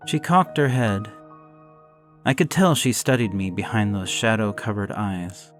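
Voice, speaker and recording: Man, low-pitched, solemn horror story reader, faint music bed. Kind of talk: scripted first-person narration.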